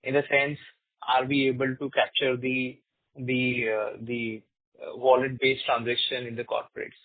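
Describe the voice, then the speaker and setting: A man answering questions as a company executive on an earnings call, explaining in a halting way. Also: mid-range voice, level tone, no echo. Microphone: conference phone call. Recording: narrow tinny phone line.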